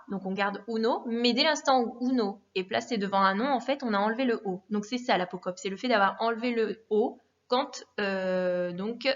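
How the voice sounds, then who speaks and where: Woman teacher, methodical and patient, somewhat high, muffled lo-fi sound. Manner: patient, methodical, repeats forms with frequent fillers. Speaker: Spanish teacher. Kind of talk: recorded classroom lesson. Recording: dull lo-fi recording.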